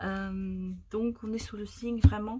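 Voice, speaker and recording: A woman talks fairly slowly at a medium pitch, her voice somewhat breathy. Her intonation stays monotone and flat. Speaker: tarot card reader. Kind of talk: tarot reading video. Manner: hesitant, many fillers.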